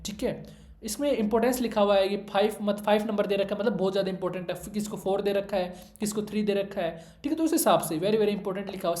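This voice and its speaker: Man, exam tutor, revision lecture, emphatic, repetitive, mellow voice, echoey room. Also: high voice. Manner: emphatic, repeats key instructions, checks in often.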